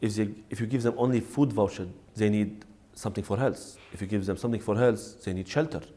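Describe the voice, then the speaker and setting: A man's voice: lowish voice, rapid-fire, warm tone. A man from Lebanon, explaining aid work in an interview in short emphatic phrases. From Akkar, northern Lebanon. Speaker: local aid organisation staff.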